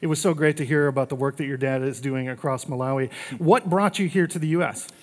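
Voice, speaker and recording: A man's voice: mid-range voice, fast talker. A man serving as pastor, making announcements and interviewing a guest on stage in an upbeat, friendly way. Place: large church auditorium, on stage. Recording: reverberant church hall.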